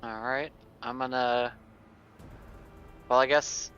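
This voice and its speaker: A male tabletop player talks casually through his choices. His voice is bright and sharp-edged, though he is hesitant as he thinks aloud. Faint music sits behind him. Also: mid-range voice, flat delivery, slow pace, highs cut off. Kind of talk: casual game-table chat.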